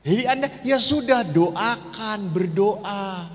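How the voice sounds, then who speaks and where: A man's voice: high voice, lively intonation, takes it slowly. A man, a Catholic priest, giving a humorous seminar talk on marriage and acting out the people in his stories. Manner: joking storyteller who acts out voices. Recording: reverberant hall, faint noise.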